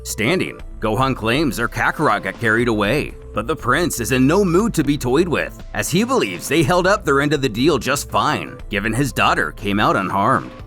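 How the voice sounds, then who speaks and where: A man's voice: medium pitch, very animated, moderate pace, hardly any pauses, fairly bright tone, soft background music. A man narrating a scripted story recap as the storyteller. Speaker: narrator recapping a comic series.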